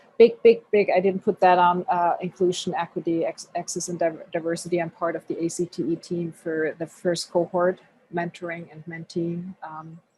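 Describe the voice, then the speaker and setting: A woman with a German accent talks at a moderate pace with hardly any pauses, her pitch fairly low and her intonation flat and monotone. Her tone is dark and mellow, and the sound is dry and close with no echo. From Germany, Lake Constance region. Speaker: math instruction specialist. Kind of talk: video meeting self-introduction. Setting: video call. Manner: halting, with fillers.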